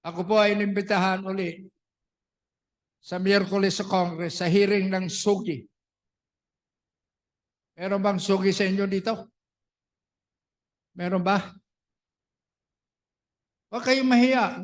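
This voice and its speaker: A man's voice: high-pitched, fairly even intonation, measured pace, long pauses. A man preaching a sermon, mixing English into his talk and acting out the dialogue he retells. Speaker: pastor. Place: church.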